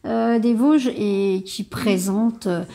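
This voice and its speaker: A woman's voice: mid-range voice, slow, vocal fry, mellow. A woman speaking off the cuff in an interview as a tourist office manager, often searching for her words. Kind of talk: unscripted interview, presenting colleagues and local products.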